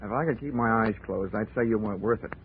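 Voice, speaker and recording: A man's voice: fairly low pitch, quick pace, slight background noise, natural voice. Hardboiled American radio detective, played by a man, dull old recording. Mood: sardonic, probing. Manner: wry, clipped sarcastic wisecracks. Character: hardboiled, cynical male insurance investigator and detective. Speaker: radio actor playing detective narrator. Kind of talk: 1940s radio noir acting. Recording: muffled 1940s radio recording, music behind.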